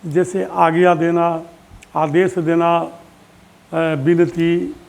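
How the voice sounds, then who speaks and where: A man's voice: on the high side, level tone, drawn-out words, creaky. A male teacher giving a lesson to pupils, patiently repeating forms aloud and asking them questions. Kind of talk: online classroom lesson.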